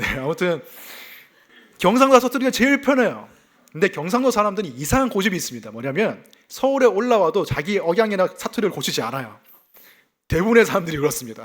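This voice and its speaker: Very wide pitch swings run through this very fast speech, broken up by long, frequent pauses. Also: man, high pitch for a man. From South Korea, Yangsan, South Gyeongsang. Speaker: pastor. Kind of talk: sermon.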